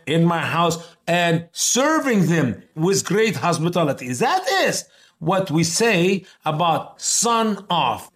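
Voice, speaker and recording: A man from Egypt, hosting a religious radio teaching show in an earnest, deliberate, explanatory way. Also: high-pitched.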